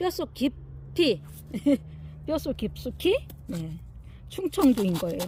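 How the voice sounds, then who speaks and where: A woman speaks at a fairly slow pace in a Chungcheong accent. Her pitch is fairly high. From Chungcheong, South Korea. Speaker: succulent-growing vlogger. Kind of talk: casual chat while repotting plants.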